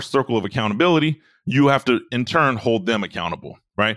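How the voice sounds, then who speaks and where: A man at a very fast pace, medium in pitch, with lively intonation. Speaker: podcast host and sales coach. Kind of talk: solo podcast monologue. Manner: sometimes mumbles; casual, conversational.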